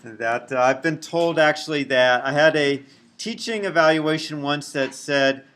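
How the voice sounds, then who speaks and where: A middle-aged man with a big, loud voice, giving a recorded university lecture while writing on a tablet, slow and deliberate. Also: fairly high pitch, slight background noise. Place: at a computer, screen recording.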